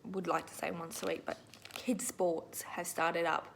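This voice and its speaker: A woman's voice: fairly low pitch, level tone, a little slow, creaky, a little hiss or hum. A middle-aged Australian woman hosting a crafting video, chatting casually to viewers in an informal, rambling, self-deprecating way.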